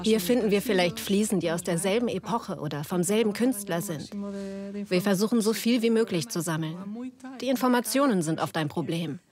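A woman voicing a dubbed interview translation in an earnest, even way. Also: medium pitch, brisk, music in the background.

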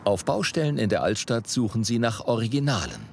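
A man reading scripted voice-over narration for a TV report in a measured, even way. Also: medium pitch, slight background noise. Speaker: documentary narrator.

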